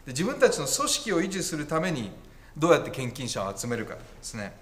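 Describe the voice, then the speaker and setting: Animated, higher-pitched male pastor. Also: quick pace. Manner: conversational, with wry self-corrections and asides. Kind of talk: sermon.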